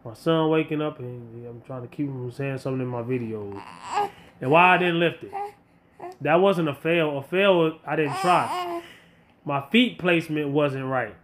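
A man in his late thirties with a slightly high voice, talking like a fitness vlogger. He is blunt and colloquial, stressing points by saying them again. There is some background noise behind him. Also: expressive, moderate pace, a bit bright. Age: late 30s. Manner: blunt, emphatic, colloquial, repeats himself for emphasis. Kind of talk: casual motivational talk to viewers.

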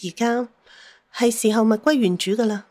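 A woman's voice: a little high, steady tone, normal speed, darkish tone, no echo, lightly acted. An actress voices a middle-aged mother. She is shrewd, jealous and sentimental, pleading with theatrical sighs as in a radio play. The sound is close and dry. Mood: solemn. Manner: plaintive, theatrical, sighing. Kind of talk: Cantonese audio drama acting.

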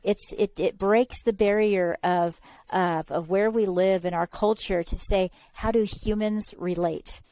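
Speaking into a headset mic from a room at home, this podcast host, a woman in her forties from California, interviews a guest over a video call with enthusiasm and encouragement. Her medium-pitched voice is warm and steady, a little slow in pace. The recording is dry.

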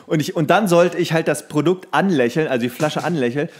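A podcast co-host and actor tells humorous casting stories in casual chat, acting out the dialogue as he goes. His voice is fairly high with a breathy edge, and he speaks fairly quickly.

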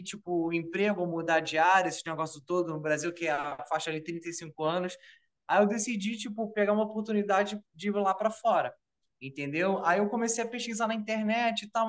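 Carioca man, 30s, laid-back and rambling, talking into his phone on a call. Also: high-pitched. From Rio de Janeiro, Brazil. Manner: relaxed, rambling with fillers like "tipo" and "entendeu". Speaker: interview guest. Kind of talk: casual video-call chat.

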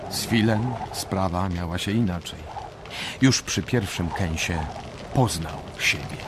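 A man's voice: low-pitched, a little slow. A man narrating a macabre survival tale in a scripted radio play. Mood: storytelling. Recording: clearly noisy radio drama recording.

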